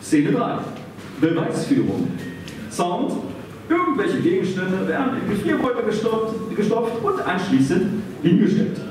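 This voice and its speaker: A man's voice: sits high, wildly swooping pitch, measured pace. A man reading scene titles and sound cues as narrator of a live radio play. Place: theatre stage. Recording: echoey stage, distant mic, faint noise.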